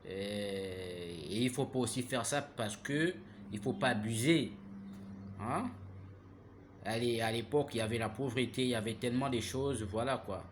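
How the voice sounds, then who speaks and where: A man, giving an impassioned, preachy monologue that keeps turning to the listener with "hein?" and grows loud and heated. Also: medium pitch, moderate pace, slight background noise. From Gabon. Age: 30s. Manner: preachy, repeats himself, asks listeners "hein?". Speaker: vlogger.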